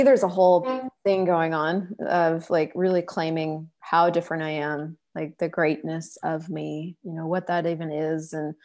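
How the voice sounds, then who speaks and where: A woman's voice: deep voice, mellow. A woman hosting a casual video-call chat, talking in a scattered way, often breaking off and restarting, with casual swearing. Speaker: podcast host and facilitator.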